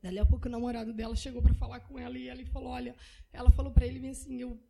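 Young woman, high mellow voice, heartfelt church testimony, repetitive telling. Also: level tone, rapid-fire, vocal fry, low-quality recording. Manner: emotional, repetitive storytelling. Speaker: church member giving testimony.

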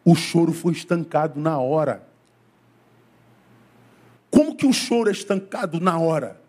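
A middle-aged male pastor preaching a sermon to a congregation in church, with wide swings of pitch and pace, asking the congregation questions. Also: animated, measured pace, a little mellow.

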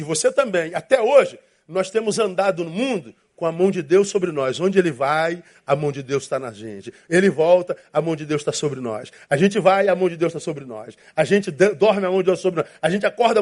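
A pastor preaches a sermon in an animated, playful way. His voice sits a bit high for a man, and he slips into little acted-out voices to make his points. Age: 50s.

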